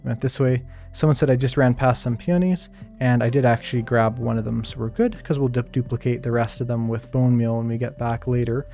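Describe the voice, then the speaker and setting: Man, mellow soothing voice, relaxed gameplay commentary, hedging, filler words, faint background music. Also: medium pitch, brisk, creaky, hardly any pauses. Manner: calm, soft-spoken, lots of hedges and fillers. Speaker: Minecraft streamer. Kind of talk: live gameplay commentary answering chat.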